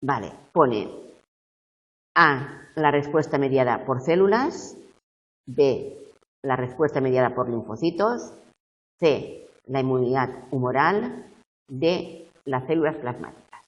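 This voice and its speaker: Low-voiced woman tutor reading exam questions. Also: lively intonation, distant mic, highs cut off. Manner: reads questions slowly, checks in with students. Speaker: university psychobiology tutor.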